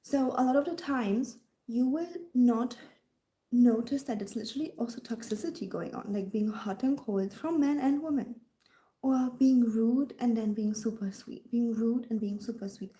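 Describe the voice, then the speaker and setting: A woman's voice: fairly high pitch, moderate pace, mellow, reverberant. A woman with a German accent, a dating coach talking casually to viewers on a live stream, often dropping into a whisper and answering comments as she goes. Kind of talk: livestream talk to viewers.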